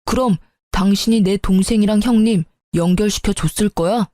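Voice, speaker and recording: A woman's voice: medium pitch, normal speed, warm tone, dry recording, lightly acted. A woman voicing a tactless, sulky young husband in a story radio drama, whining and self-justifying.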